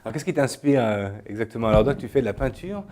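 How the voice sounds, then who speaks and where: A host of a small web TV studio show speaks at a middle pitch. The host welcomes guests and moves the interview along with brief prompts and questions. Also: lively intonation, fast, background noise. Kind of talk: hosting an interview.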